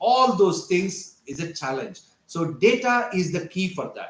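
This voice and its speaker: A high-pitched male voice with an Indian accent, lively intonation and a moderate pace, plus audible room echo. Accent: Indian English (Telugu). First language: Telugu. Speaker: company CEO giving a career talk. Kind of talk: lecture. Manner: conversational, repetitive.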